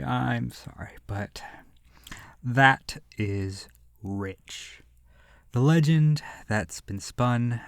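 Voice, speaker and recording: Man acting a slow, condescending immortal male vampire. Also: on the low side, no echo, clean studio sound, exaggerated voice. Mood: amused, scornful. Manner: languid, condescending, theatrical, slipping into breathy whispers. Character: sadistic immortal male vampire, imprisoned, bored, mocking. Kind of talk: scripted horror roleplay audio, ASMR-like.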